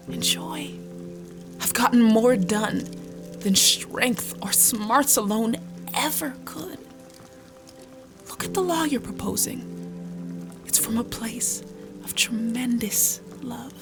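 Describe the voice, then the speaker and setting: A calm, compassionate stateswoman and mother in an audio fiction drama. She speaks slowly and gently, with a noticeable creak, persuading with care. Music plays behind her. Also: on the high side. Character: calm, compassionate woman politician and devoted mother.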